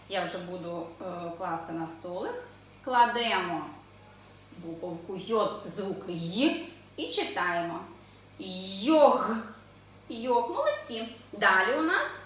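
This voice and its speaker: A woman teaching young children to read, sounding out syllables slowly and asking the class questions in a sing-song way. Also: mid-range voice, bright, forceful tone. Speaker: preschool teacher. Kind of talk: children's literacy lesson. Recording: echoey room, voice from a distance.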